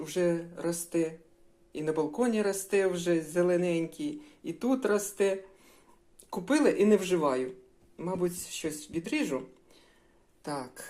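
A woman's voice: lowish voice, darkish tone. An older woman chatting casually at home while she tastes food and cooks, giving homely advice to her viewers. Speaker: home cooking vlogger. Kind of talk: casual talk while tasting and cooking.

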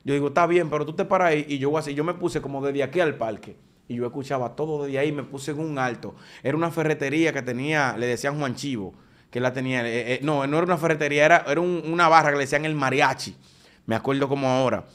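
A man, a preacher giving his testimony in an animated conversational way, often restarting his sentences. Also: mid-range voice, quick pace. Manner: animated storytelling with frequent restarts.

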